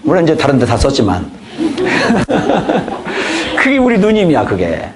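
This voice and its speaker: A man's voice: mid-range voice, huge pitch swings, fast, a crowd in the background. A pastor in his fifties giving a church training lecture, telling folksy family stories and acting out conversations. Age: 50s. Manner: folksy storytelling, acts out dialogue. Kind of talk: lecture on evangelism.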